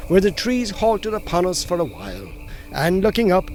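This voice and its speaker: A male horror author reading a classic ghost story aloud in a measured, atmospheric storytelling manner. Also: high-pitched, huge pitch swings, a little mellow, soft background music, rough recording. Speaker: audiobook narrator and horror author.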